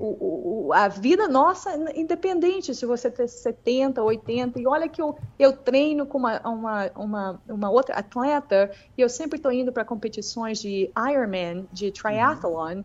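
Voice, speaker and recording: A woman's high voice moves through very wide pitch swings. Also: fairly slow pace. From Rio de Janeiro state, Brazil. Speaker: long-distance hiker. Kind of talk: casual interview, telling stories. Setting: remote call from the US.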